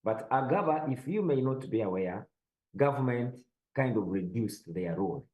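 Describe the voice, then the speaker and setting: A man hosting a news roundup panel, moderating briskly. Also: mid-range voice, expressive, darkish tone, low-quality recording. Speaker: host.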